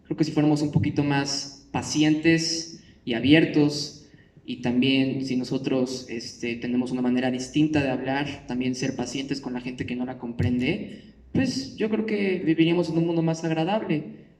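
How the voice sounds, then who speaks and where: A man, speaking at a press conference in a relaxed, unhurried, opinionated way. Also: medium pitch. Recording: echoey room, from a distance.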